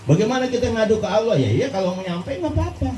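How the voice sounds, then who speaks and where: Guy giving a sufi sermon, lilt, mellow voice, echoey hall, mic far off. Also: fast talker, slight background noise. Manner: lively, asks the audience questions, swings between low and high pitch. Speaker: preacher. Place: gathering in a hall.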